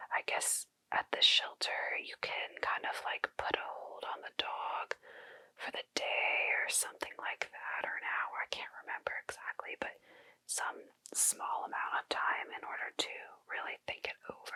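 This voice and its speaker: A woman whispers at a moderate pace in a calm tone. The sound is dry and close, with no echo. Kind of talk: ASMR relaxation talk, telling a rescue dog's adoption story. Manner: soft-spoken, whispered, calm.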